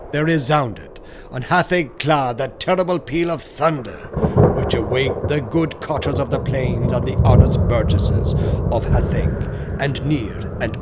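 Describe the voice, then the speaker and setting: Solemn, higher-pitched male horror narrator. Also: a little hiss or hum. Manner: solemn, theatrical, deliberate phrasing. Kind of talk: dramatic scripted narration of gothic horror.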